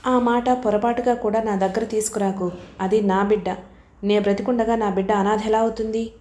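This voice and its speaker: A woman narrating a novel as an audiobook, in a calm, even storytelling manner that softens for sad passages. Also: mid-range voice, normal speed, echoey room. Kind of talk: reading a novel aloud.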